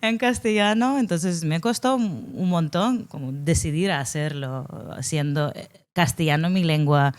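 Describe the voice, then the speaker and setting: A woman's voice: sits low, measured pace. A woman podcast host speaking Spanish as a second language with a foreign accent, chatting casually and searching for words. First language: not Spanish, learned it as an adult. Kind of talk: casual conversational interview.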